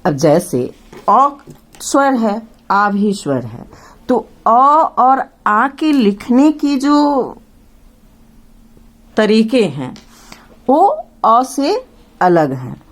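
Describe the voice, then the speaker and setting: Speaking very slowly and pausing often, a woman with a fairly high voice and big pitch swings gives a classroom grammar lesson to children. She explains with patience, stretching out every vowel sound as she names it.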